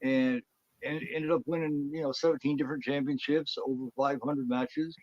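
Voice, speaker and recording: A man from Indiana, a former wrestler, telling animated, rambling stories as an interview guest and often repeating words. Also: medium pitch, moderate pace, no echo, lo-fi sound. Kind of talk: casual storytelling.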